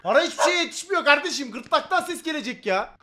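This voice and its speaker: Excitable high-voiced male game streamer. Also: fast, slight background noise. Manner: excitable, swearing, bursts into loud shouts. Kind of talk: casual gameplay commentary with chat.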